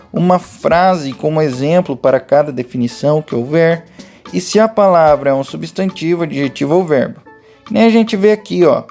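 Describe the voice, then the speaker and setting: A Brazilian man talks a class of children through a remote lesson, patient and methodical as he goes step by step. His voice sits a little high yet sounds mellow and gravelly. Faint music plays softly behind him. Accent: Brazilian Portuguese. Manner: patient, explains step by step, addresses pupils directly. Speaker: teacher. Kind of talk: remote lesson walkthrough for schoolchildren.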